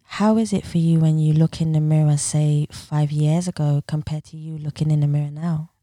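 Low, mellow-voiced woman hosting podcast. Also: steady tone, normal speed, no echo, clean studio sound. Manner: enthusiastic, effusive praise. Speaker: podcast host. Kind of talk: interview hosting.

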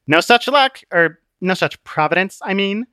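A man voicing a sardonic, deadpan female hologram book, a scoffing know-it-all in an audiobook story. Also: high voice, moderate pace, no echo, studio quality, pitched above the performer's own voice. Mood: unbothered.

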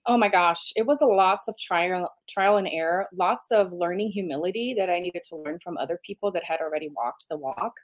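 A woman's voice: fairly low pitch, fairly quick, few pauses. A woman from Brazil, a business coach and podcast guest, who talks eagerly and at length. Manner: eager, talkative, laughs often. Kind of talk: conversational interview.

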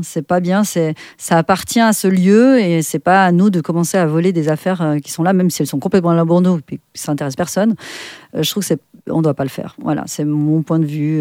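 A middle-aged woman with a Swiss French accent, chatting as a guest in an interview, full of fillers and restarts and quick to laugh. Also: on the low side, darkish tone, no echo, studio quality. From Switzerland. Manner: chatty, many fillers and self-corrections, laughs often. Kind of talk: casual interview chat.

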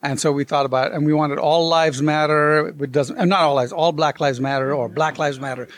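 Guy talking real quick in an interview, slightly high voice, acts out what people said. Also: slight background noise. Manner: animated, acts out quoted dialogue. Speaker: guest author. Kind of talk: interview storytelling. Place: convention.

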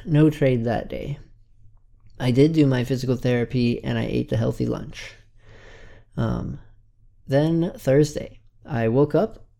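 A man's voice: medium pitch, creaky, dark tone. A man in his twenties hosting his own weekly self-improvement podcast, a little congested and recounting his week in an earnest, plain way. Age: 20s. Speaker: podcast host. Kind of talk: casual weekly self-recorded update.

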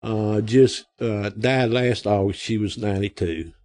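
A man's voice: lowish voice, fairly even intonation, a little slow, a little mellow. A man in his sixties from Arkansas, with an Arkansas accent, telling rambling folksy stories as an interview guest and acting out the voices of people he quotes. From Arkansas, USA. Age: 60s. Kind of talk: casual storytelling.

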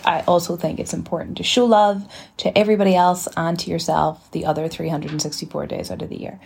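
A woman in her twenties hosting a casual solo podcast, chatty and rambling in an informal, relaxed way. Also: on the low side. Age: 20s. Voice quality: relaxed, slightly husky. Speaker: podcast host.

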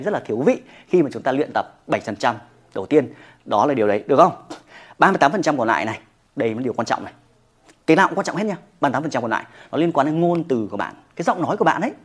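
Yoga trainer; motivational to-camera talk, fast delivery, emphatic. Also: mid-range voice. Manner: emphatic, with frequent rhetorical check-ins.

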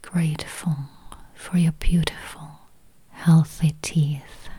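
A woman whispers through a guided meditation at a very slow, unhurried pace. Her low, breathy voice stays flat and even, and she lingers over each counted number and each repeated phrase. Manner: slow, soft, repetitive counting.

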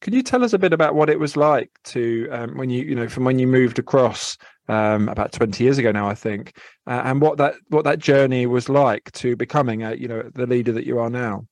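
A man's voice: mid-range voice, fairly quick, darkish tone, no room sound, clean studio sound. A man hosting a podcast interview, friendly and a little hesitant, with many fillers and restarts. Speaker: podcast host.

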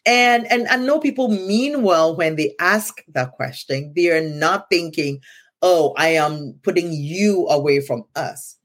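A woman's voice: lowish voice, unhurried. A middle-aged woman with a Ghanaian accent, hosting a casual conversation in an earnest tone and often checking in with "right?". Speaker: podcast host.

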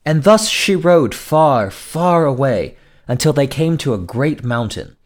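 A man narrating as a storyteller in a gothic, theatrical fairy-tale style, with dramatic, deliberate phrasing. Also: medium pitch, animated. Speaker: storyteller, host.

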